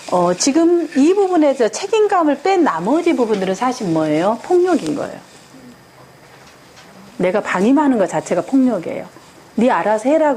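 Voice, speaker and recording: Female parenting instructor, lively and animated, pitched a bit high; keeps asking the class questions. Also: slightly rough. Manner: animated, asks the audience rhetorical questions. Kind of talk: lecture to parents. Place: lecture room with an audience.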